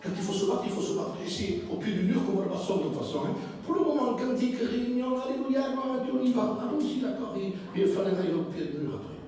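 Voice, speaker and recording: A male pastor delivers an animated sermon, acting out both sides of little exchanges. His voice sits high and swings widely in pitch. He is picked up from far off in a big, echoing hall. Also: quick pace, few pauses. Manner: animated preaching with mimed dialogue. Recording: echoey hall, recorded from far off.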